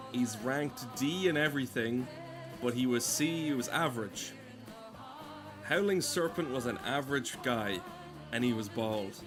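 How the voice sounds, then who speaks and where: A man giving casual gameplay commentary in a deadpan, mock-solemn manner. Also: medium pitch. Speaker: gameplay streamer. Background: game music.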